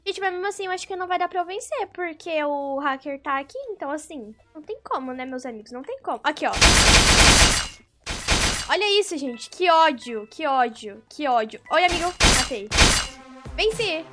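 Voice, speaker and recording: A young Brazilian woman commentating her own gameplay, with excitable, exasperated outbursts. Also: extremely high pitch, fairly quick, loud music behind the voice. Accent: Brazilian Portuguese. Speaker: gaming YouTuber.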